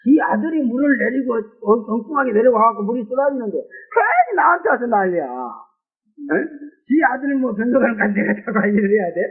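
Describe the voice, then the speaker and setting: A man preaching with a very high voice, emotive and exclaiming, often tossing rhetorical "eh?" asides at his listeners. The sound is thin and phone-like, as on an old lo-fi recording. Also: breathy edge. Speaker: pastor. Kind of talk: sermon.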